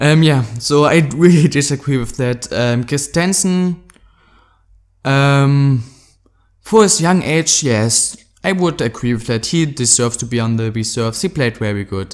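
Fairly high in pitch, a man speaks slowly with a German accent, at a fairly slow pace. The recording is very clean, with a silent background. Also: lively intonation. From Germany (Leipzig). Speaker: gaming YouTuber. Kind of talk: casual video commentary. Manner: halting, many fillers.

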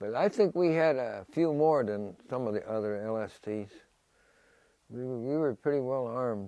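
At a moderate pace, a man with a medium-pitched, dark, mellow voice speaks with lively intonation in a dry sound with no echo and a quiet background. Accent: American. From US Midwest. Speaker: war veteran. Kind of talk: oral history interview. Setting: studio. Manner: halting. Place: studio.

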